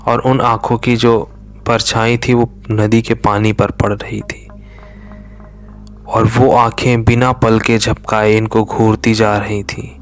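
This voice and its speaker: A man slowly telling a true horror story, his voice sinking to a whisper at tense moments. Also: on the low side, little pitch movement. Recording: faint music behind.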